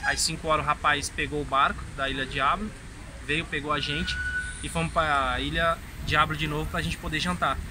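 A man's voice: fairly high pitch, steady tone, moderate pace. A man casually recounting a trip in a windy garden, telling it as a story and laughing at himself, filmed on a phone at arm's length. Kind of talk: casual outdoor chat. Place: outdoor garden by a fence, windy. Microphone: phone camera at arm's length. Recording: loud wind and street noise.

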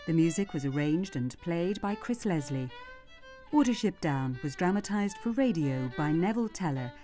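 A woman's voice: fairly low pitch, animated, moderate pace, dark tone, faint music behind. A British woman reading scripted closing credits as a radio announcer.

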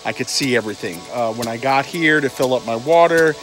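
Man, middle-aged, casual vlog, phone at arm's length, filler words, steady mid pitch, music bed. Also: fairly quick. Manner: chatty, upbeat, lots of fillers. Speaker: RV vlogger. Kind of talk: casual travel vlog with voice-over. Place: inside a car, then outdoors by an RV. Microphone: phone held at arm's length. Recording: music bed playing under the voice. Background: background music.

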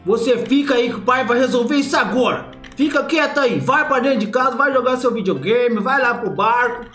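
A young man voicing a proud, protective country father in a Roblox story, talking loudly and emphatically. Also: very high-pitched, brisk, roomy sound, faint music behind. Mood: determined. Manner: loud, emphatic, calls out to his son. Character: proud country dad turned boss, protective. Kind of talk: Roblox story role-play.

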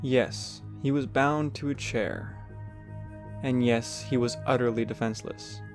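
A man's voice: mid-range voice, steady tone, a little slow, music in the background. A man reading scripted story narration for an audio drama.

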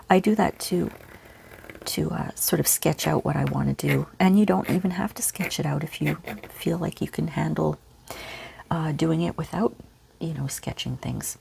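A woman teaching a relaxed real-time painting lesson at home, speaking softly and often half-whispering. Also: sits low, gravelly, slight background noise. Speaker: art teacher. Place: home studio with pets nearby.

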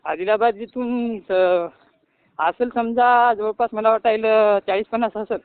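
A man's voice: high voice, steady tone, measured pace, smooth. A man from Maharashtra calling for help, pleading and rambling, repeating himself often. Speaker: caller asking for help. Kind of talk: distressed phone call. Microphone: phone call. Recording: tinny phone line.

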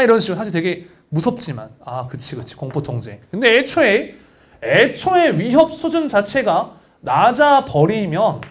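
A young man teaching an exam prep lecture in a chatty storytelling way, acting out the voices of people in his anecdotes. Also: high-pitched.

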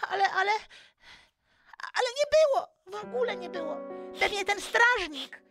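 A woman's voice: very high-pitched, very animated, normal speed, vocal fry, fairly bright tone, faint music behind, full character voice. A woman playing a timid, anxious Eskimo boy who hesitates and stammers in a children's audio play. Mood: anxious, apologetic. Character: timid, easily frightened little Eskimo boy Eurydek.

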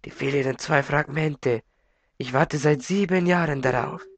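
A man with a slight cold voicing an imperious, power-hungry villain warlord, reading game dialogue aloud in a slow, commanding manner. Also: on the high side, dry recording. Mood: solemn, gloating. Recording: game music behind.

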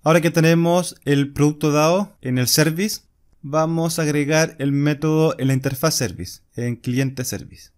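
A man's voice: fairly high pitch, fairly even intonation, moderate pace. A man, explaining a coding screencast step by step while he types. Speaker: programming instructor. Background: keyboard typing and clicks.

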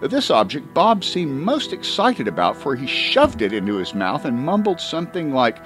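A man reading a comic first-person story as an audiobook, with dramatic emphasis and drawn-out words. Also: medium pitch, huge pitch swings, fairly bright tone, faint music behind. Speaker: audiobook reader.

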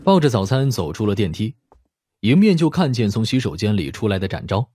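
A man's voice: lowish voice, big pitch swings, brisk, dark tone, slightly rough, dry recording, studio quality. A man reading a dramatic scripted audiobook narration.

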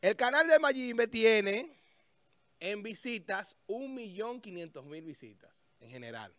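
High-voiced man hosting a show. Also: big pitch swings, unhurried, a bit bright, no room sound. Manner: talks while searching a website, thinking aloud with restarts. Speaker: show host. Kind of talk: casual on-air chat. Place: small studio with a festive desk. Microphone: studio mic on a stand.

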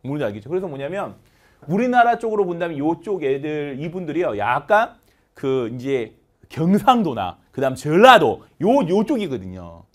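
Lively male English teacher. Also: a little high, moderate pace. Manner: animated, repeats words in chanted drills. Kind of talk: online lecture on vocabulary.

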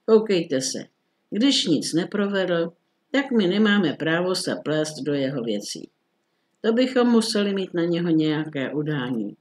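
A man voicing a phlegmatic middle-aged police commissioner who talks in a dry, unhurried, grumbly way. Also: fairly high pitch, very animated.

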